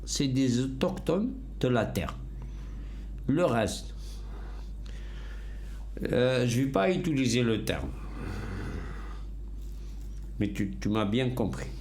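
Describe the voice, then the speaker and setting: An older man with a Kabyle Berber mother tongue, speaking slowly and emphatically in an interview. His voice rises and falls in lively swings at a middle pitch. The room around him sounds echoey. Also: slight background noise. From North Africa. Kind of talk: unscripted conversation.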